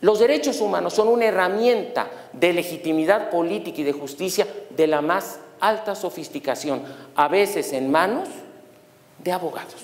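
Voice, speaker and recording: A man's voice: high-pitched, moderate pace. A middle-aged man with a Mexican accent giving a law lecture, telling stories and quizzing his audience with jokes. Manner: animated, jokey, asks the audience questions. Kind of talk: lecture with storytelling. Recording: echoey lecture hall.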